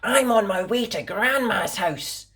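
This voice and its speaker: A woman voicing a sweet little girl in a red hood, speaking high and earnest. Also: animated, measured pace, a bit bright. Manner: high, wide-eyed, earnest.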